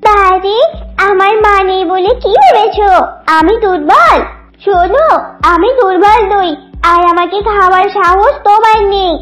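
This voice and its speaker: A woman's voice: very high-pitched, a little slow, fairly bright tone, faint music behind. A woman voicing a young duckling girl in a children's cartoon, childlike and plaintive. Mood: defiant. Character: timid little duckling girl, growing brave.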